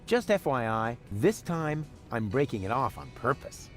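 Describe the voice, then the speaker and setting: A man's voice: medium pitch, sing-song, normal speed, faint music behind, close to an everyday voice. A man playing a cocky, scheming, whiny adventurer in a video game, theatrical and sarcastic. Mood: smug.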